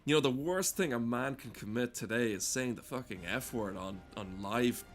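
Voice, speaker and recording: A man's voice: mid-range voice, moderate pace, soft background music. A man giving crude, comedic, rambling commentary while playing a game, swearing often. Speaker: gamer talking over gameplay.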